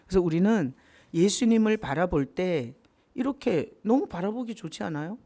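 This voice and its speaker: Pastor, male, gravelly and warm; teaches Bible study informally, drawing listeners in with questions. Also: sits high. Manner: conversational, with rhetorical questions and asides.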